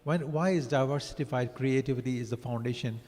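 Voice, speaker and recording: A man born in Africa reviewing a book as a lecture, halting with many fillers and restarts. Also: medium pitch, darkish tone. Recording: long hall reverb.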